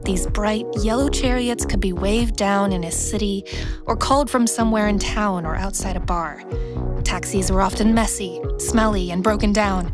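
Female narrator, scripted storytelling, measured, theatrical, mid-range pitch, strong music bed.

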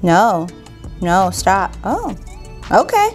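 A woman's voice: medium pitch, sing-song, very slow, faint music behind. A woman in her thirties co-hosting casual reaction commentary in a salon, chatty and giggly. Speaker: co-host. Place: salon with product shelves, indoors.

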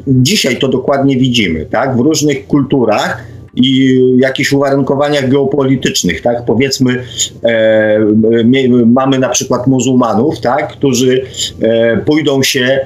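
A man in a casual debate, speaking emphatically and often checking for agreement with short tag questions. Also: medium pitch. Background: faint music.

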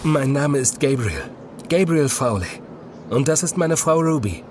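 A man playing a falsely courteous, menacing vagrant in a horror audio drama, speaking in a measured, mock-polite way. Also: medium pitch, expressive, background noise, natural voice.

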